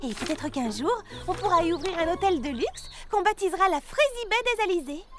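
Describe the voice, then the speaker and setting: Bossy cartoon little girl, extremely high voice, determined, dreamy, emphatic, music underneath. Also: a little fast. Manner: emphatic, commanding, expressive. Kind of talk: children's cartoon dub. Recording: music behind the voice.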